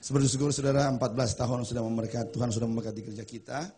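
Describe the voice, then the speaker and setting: A man's voice: medium pitch, flat delivery, racing, mellow. A man acting as a church emcee, rallying the congregation and introducing the guest preacher. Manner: upbeat, rallying the crowd.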